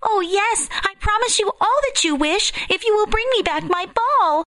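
A woman voicing a spoiled young princess in a storybook reading, her voice pushed high and girlish. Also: animated, normal speed. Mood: pleading. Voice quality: very high and bright.

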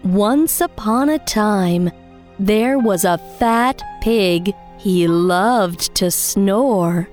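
A woman voicing a kind, motherly queen in a bedtime story, speaking in a soft, coaxing way. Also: mid-range voice, extremely slow, faint music behind. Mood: storytelling.

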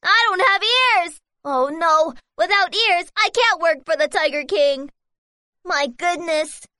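An excitable little rooster. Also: female voice, extremely high pitch, slow pace, no room sound, clean studio sound, full character voice. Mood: panicked. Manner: bouncy, squealing, wide-eyed. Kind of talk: children's audio story.

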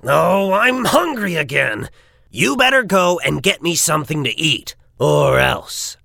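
A gravelly bully wolf. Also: medium pitch, sing-song, unhurried, bright, forceful tone, no echo, clean studio sound, full character voice. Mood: bossy threat. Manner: gruff, threatening, gobbling and boasting. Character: big bossy greedy male wolf. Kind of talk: children's cartoon story acting.

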